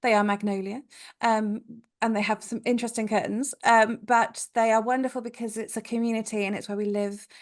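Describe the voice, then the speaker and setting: A woman's voice: a little high, level tone, brisk. A woman hosting a podcast interview, enthusiastic and chatty, correcting herself as she goes. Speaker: podcast host.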